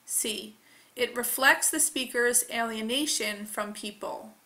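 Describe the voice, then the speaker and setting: A woman reading test questions aloud in a careful, deliberate manner. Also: fairly high pitch, bright, forceful tone. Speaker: test reader.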